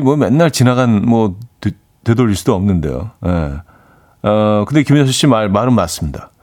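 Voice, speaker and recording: A man in his forties hosting a radio show, chatting casually and loosely with many fillers while answering listener messages. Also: mid-range voice. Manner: relaxed, rambling, many fillers.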